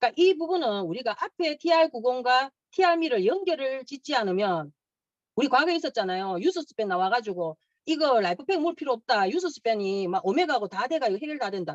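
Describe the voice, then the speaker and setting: A woman speaks at a high pitch with very wide pitch swings. The sound is dry and close, with no echo. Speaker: network marketing distributor giving training. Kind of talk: sales training talk. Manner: fast.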